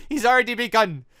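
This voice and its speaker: Gaming host, bright and very lively, rambling giggly reactions, dry close sound. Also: medium pitch, dry recording. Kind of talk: excited reaction commentary over a visual novel.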